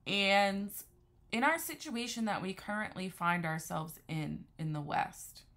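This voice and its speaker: A woman's voice: medium pitch, a little slow, a bit bright. A woman from the New Haven, Connecticut area giving an unscripted religious monologue as a Christian commentator, earnest and discursive, often restarting her sentences. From New Haven, Connecticut area, USA.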